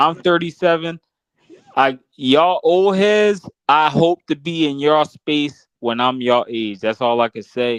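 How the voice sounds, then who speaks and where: Heard dry and close with no echo, a man speaks at a fairly slow pace with a fairly high pitch and lively intonation. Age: 30s. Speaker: panel guest on a livestream. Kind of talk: casual chat.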